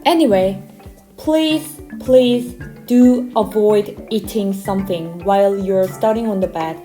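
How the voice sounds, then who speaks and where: A woman's voice: medium pitch, takes it slowly, mellow, soft background music. Woman, Korean accent, twenties, casual self-deprecating vlog chat, echoey room. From South Korea. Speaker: vlogger.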